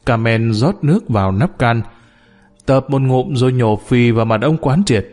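A man narrating a dramatic audiobook in a vivid, measured way. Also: medium pitch, a little mellow. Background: faint music.

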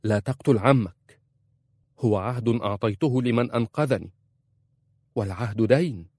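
A man reading an audiobook voices a defiant young Arab wife, pleading and insistent, raising his low voice for her. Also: animated, brisk, no echo, lightly acted.

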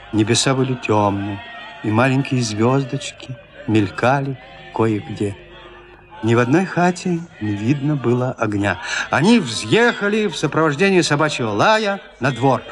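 Man, audiobook narrator, classic story, lively rising and falling pitch, somewhat high voice. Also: slight background noise.

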